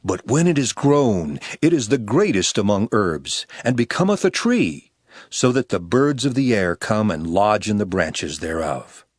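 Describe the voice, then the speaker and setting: An actor playing a male teacher preaching parables in a solemn, emphatic and measured way, as dramatized scripture audio. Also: fairly low pitch, big pitch swings, no room sound, studio quality. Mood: storytelling. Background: music behind the voice.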